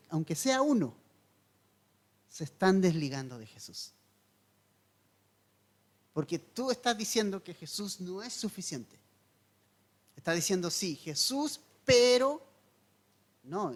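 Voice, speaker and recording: A pastor works through scripture verse by verse in an earnest, explanatory teaching tone, asking his listeners questions and repeating key points. His voice sits high.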